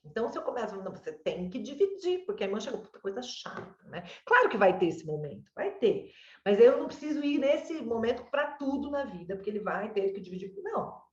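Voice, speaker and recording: A child development consultant with a Brazilian Portuguese accent advises a parent, her fairly high, sing-song voice moving fast. She explains warmly and patiently, checking in constantly with "né?" and "sabe?". The mic sounds dull, distant and roomy.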